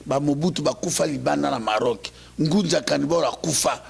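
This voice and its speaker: A raspy-voiced Congolese man delivering an impassioned political speech. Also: fairly high pitch, brisk. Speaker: political commentator.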